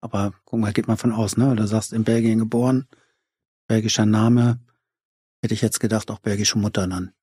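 Husky male interviewer, dry sound. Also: fairly low pitch, level tone, moderate pace, warm tone, no room sound. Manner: supportive listener with many short backchannels. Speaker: podcast host. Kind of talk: interview questions. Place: Cologne.

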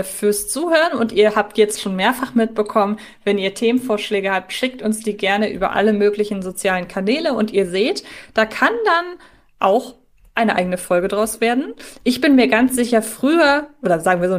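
Female podcast co-host, medium pitch, casual and wordy delivery with playful formality.

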